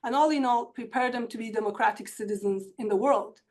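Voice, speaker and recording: Iranian-accented woman lecturing over a video call, fairly high voice, measured and earnest, reading her notes. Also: a little mellow. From Iran. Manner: measured, earnest, reads prepared remarks. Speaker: university instructor. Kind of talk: academic webinar presentation. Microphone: computer mic on a video call.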